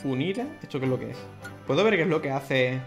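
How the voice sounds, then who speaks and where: A young man, chatting excitedly and laughing often as he plays through a video game. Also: mid-range voice, fast. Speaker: gaming YouTuber. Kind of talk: let's play commentary. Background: faint game music.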